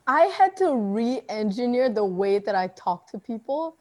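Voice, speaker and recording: Young woman, Singaporean-tinged accent, casual chat, chatty, quick asides. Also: a little high, sing-song, a little mellow. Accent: Singaporean, softened toward American. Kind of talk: casual conversation.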